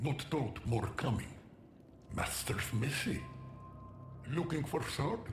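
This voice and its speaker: A man's put-on character voice, fairly high in pitch and fairly slow, with long, frequent pauses over clear background noise. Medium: game stream. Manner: broken, clipped English.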